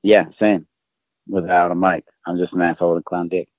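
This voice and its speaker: A man's voice: deep voice, level tone, a little fast, no room sound. An American man chatting as a comedian guest, telling rambling, sweary, self-deprecating anecdotes. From Maryland, USA. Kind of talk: casual anecdotal chat. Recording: narrow tinny phone-like line, dry.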